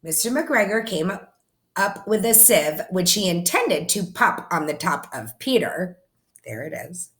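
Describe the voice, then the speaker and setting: A woman reading a children's story aloud in an expressive, animated way, as if to young listeners. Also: on the low side. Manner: animated, explains words and asks listeners questions. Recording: echoey room.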